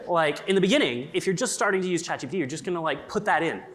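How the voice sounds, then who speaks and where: A man's voice: fairly high pitch, lively intonation, rapid-fire, fairly bright tone. A man speaking on a conference panel in a casual, chatty way, full of "like" and "um", whose first language is English. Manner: chatty, lots of likes and ums. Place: conference stage.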